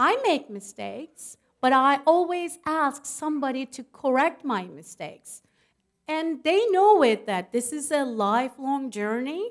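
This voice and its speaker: A woman's high voice with a strong non-native accent, very wide pitch swings, big swings in loudness and a fairly slow pace. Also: very clean recording, silent background. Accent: foreign accent, self-described as strong. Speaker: academic, commencement speaker. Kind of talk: commencement speech. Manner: formal.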